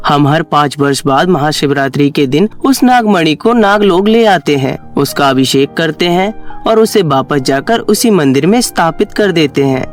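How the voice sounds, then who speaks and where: A man's voice: fairly high pitch, natural voice. A man playing a fatherly, dutiful serpent king in a cartoon story.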